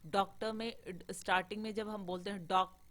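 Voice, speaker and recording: A woman's voice: mid-range voice, fairly even intonation, brisk. A woman teaching an online class on poetic meter, mixing English terms into her explanation, with frequent filler sounds and restarts.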